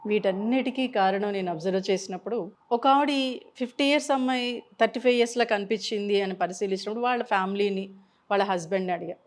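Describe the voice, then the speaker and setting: A woman's voice: medium pitch, quick pace. A woman counselor giving a health advice talk to camera, explaining through patient stories and mixing in English words.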